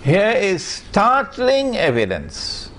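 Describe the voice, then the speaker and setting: A man lectures at an unhurried pace. His pitch rises and falls in wide, animated sweeps. He stresses his points and keeps putting rhetorical questions to his listeners. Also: slight background noise. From Trinidad and Tobago. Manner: emphatic, rhetorical questions to the audience. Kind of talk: public lecture.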